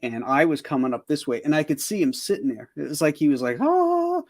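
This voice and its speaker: A man's voice: mid-range voice, fast, no room sound, studio quality. A middle-aged man hosting a casual interview over a video call, telling anecdotes with frequent laughs. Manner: chatty, laughs often while telling anecdotes. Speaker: show host.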